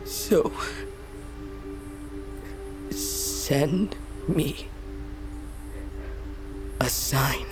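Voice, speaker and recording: Slow, grieving young tribal woman. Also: deep voice, full character voice. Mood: pleading. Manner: halting, intimate, slipping into whispers. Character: grieving young tribal butcher, yearning daughter of a queen. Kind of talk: dramatic audio fiction monologue. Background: music bed.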